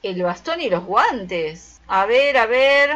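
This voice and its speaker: A woman's voice: on the high side, big pitch swings, slow, a bit bright, muffled recording, heavily acted. A young Argentine woman playing a bossy, scheming mother of grown daughters in an amateur radio play. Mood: fussy, commanding. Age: young adult. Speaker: student performer.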